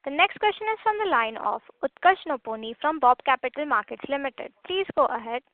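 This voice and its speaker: A woman's voice: high-pitched, expressive, brisk, no echo. A woman making formal, scripted announcements as a conference call operator. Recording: dry narrow phone-line sound.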